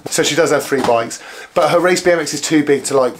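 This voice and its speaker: A hoarse man in his thirties chatting casually to camera about bikes in a small living room. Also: a little high, fast, a little hiss or hum. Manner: chatty, upbeat, full of filler "like"s. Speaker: bike vlogger. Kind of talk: casual vlog chat to camera. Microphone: camera close up.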